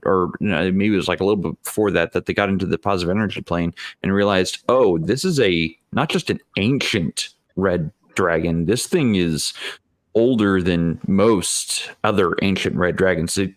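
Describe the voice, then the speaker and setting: A man's voice: sits low, normal speed, no echo, clean studio sound. A man talking casually as a panelist, hesitant and thinking aloud in fragments. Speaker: panelist and game master. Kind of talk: casual discussion.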